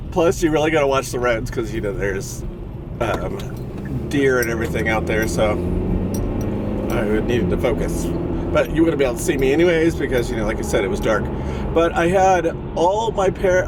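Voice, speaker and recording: A man in his forties, a teacher, talking casually to camera in a rambling, chatty way, his voice congested. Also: mid-range voice. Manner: rambling, chatty, many fillers. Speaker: first grade teacher vlogger. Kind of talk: casual vlog chat to camera. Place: classroom, then inside a car. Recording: faint road noise.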